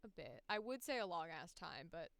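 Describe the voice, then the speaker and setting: A woman's voice: fairly low pitch, big pitch swings, normal speed, vocal fry, fairly bright tone, clear, resonant tone, dry recording. A woman chatting casually on a livestream as she works, thinking aloud in a rambling, sweary, self-deprecating way. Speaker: streamer and voice actor editing audio. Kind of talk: casual livestream chat with bursts of singing.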